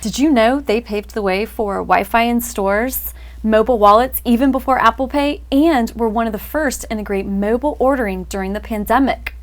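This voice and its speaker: Upbeat young woman co-host, slightly high. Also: moderate pace. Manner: upbeat, reads news smoothly, then chats loosely. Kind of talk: casual podcast chat with scripted news segments.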